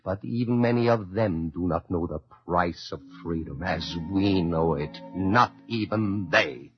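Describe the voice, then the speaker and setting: A man's voice: low-pitched, unhurried. An actor playing an immigrant American man who writes defiantly to a dictator, in the declamatory style of 1940s radio drama. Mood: resolute. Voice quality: declamatory, building to fervent cries. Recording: muffled 1940s radio broadcast with music.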